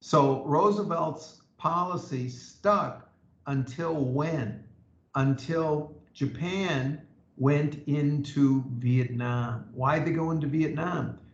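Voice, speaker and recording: A man with a gravelly, creaky voice tells history as an emphatic storyteller on a podcast. His voice comes through dull, lo-fi audio in an echoey room. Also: on the high side, takes it slowly. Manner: emphatic storyteller, quotes historical figures in lively asides. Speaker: podcast co-host and author. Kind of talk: conversational history discussion.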